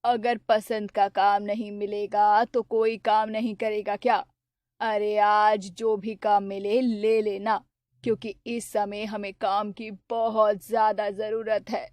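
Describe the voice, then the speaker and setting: Woman doing a soft worried cartoon mom, low and slow, dry close sound. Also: flat delivery, dry recording, natural voice. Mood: coaxing. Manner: gentle, coaxing. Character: poor, worried old mother.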